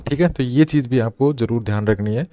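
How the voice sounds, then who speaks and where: A man teaching English grammar in a patient, repetitive way, slowing down to spell out sounds. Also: mid-range voice, mellow, no echo. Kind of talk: classroom grammar lesson.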